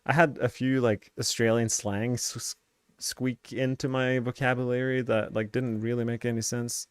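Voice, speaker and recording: A man's voice: mid-range voice, little pitch movement, moderate pace, clear, resonant tone, no room sound. A man from Sweden with a light Swedish accent, chatting casually on a live stream as he plays, rambling along with plenty of fillers. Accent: Swedish, lightly softened. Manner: rambling, filler-heavy, musing aloud. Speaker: game streamer. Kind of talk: casual live-stream chat over gameplay.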